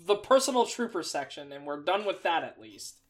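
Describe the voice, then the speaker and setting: A woman's voice: lowish voice, big pitch swings, brisk. A woman co-hosting a casual chat show, rambling through details with plenty of fillers and flashes of exasperation. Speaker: podcast co-host. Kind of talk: casual chat about mecha designs.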